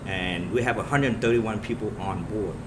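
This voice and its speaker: A man from Vietnam, a police officer telling his story in an interview in earnest, halting short phrases. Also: lowish voice. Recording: noisy room with steady background hum.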